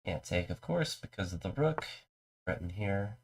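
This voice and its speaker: Streamer, male, low gravelly voice, stuffy from a cold, calmly narrates his moves. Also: normal speed. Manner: low-key, talks through his moves. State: mild cold, congested. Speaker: live streamer. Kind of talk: casual chess commentary.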